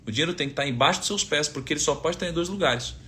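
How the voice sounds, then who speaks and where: A Brazilian man in his thirties talks through lessons on faith and money in a relaxed, teacherly way. His voice sits a little high and sounds bright and forward. He leans on rhetorical questions and quoted verses to make his points. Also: racing. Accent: Brazilian Portuguese. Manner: conversational, asks rhetorical questions, quotes scripture. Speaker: finance speaker giving a faith-based talk. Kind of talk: casual teaching talk, live stream.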